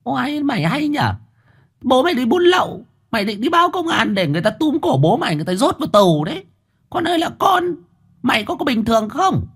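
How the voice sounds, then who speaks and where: A man's voice: fairly high pitch, big pitch swings, moderate pace, gravelly, breathy edge, pitched above the performer's own voice, heavily acted. A man voicing a frantic, crude-tongued middle-aged village mother who scolds her son. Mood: furious scolding.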